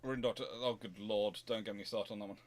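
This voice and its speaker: A man hosting a casual livestream, chatting in a halting, digressive way with wry, mildly sarcastic asides. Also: fairly low pitch, steady tone. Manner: halting, digressive, self-interrupting. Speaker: livestream host answering chat. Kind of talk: casual rambling livestream chat.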